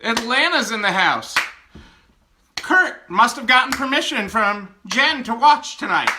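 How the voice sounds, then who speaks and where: A man's voice: very high voice, expressive, a little slow, background noise. A man from upstate New York hosting a casual livestream, playfully greeting viewers by name and joking with them. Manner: playful, jokey, reads out viewer names. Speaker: livestream host.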